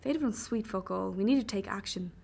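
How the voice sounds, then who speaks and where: A woman's voice: medium pitch, a little fast, gravelly, a little mellow, husky. A woman voicing a laconic young Irish man who talks bluntly and dryly, with some swearing.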